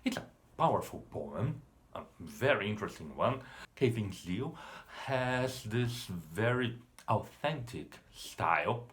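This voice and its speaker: Unhurried Brazilian man teaching literature. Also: fairly low pitch, very animated, a bit bright. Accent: Brazilian Portuguese. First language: Portuguese. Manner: unhurried, measured, explanatory. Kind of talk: literature lesson to camera.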